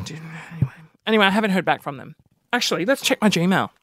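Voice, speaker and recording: A man with a high-pitched voice hosting a podcast, telling a story in an animated, self-deprecating way. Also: fairly quick, no room sound, studio quality. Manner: animated, self-deprecating, jumps between high and low tones. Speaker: podcast host. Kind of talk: casual storytelling monologue.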